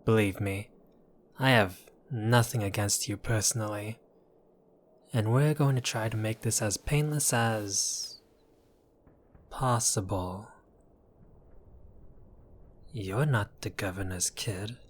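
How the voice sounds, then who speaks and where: A man's voice: fairly low pitch, fairly even intonation, takes it slowly, long pauses, a little hiss or hum. A man playing a chatty, apologetic mafia boss in an audio roleplay, talking to the listener in a wry, exasperated, placating way. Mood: placating, awkward. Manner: conversational, wry, placating, theatrical asides.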